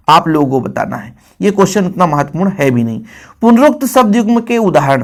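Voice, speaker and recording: Hindi teacher drilling grammar questions. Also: male voice, a little high. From India. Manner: explains, quizzes and repeats, addressing students as children. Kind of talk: exam-prep lesson for students.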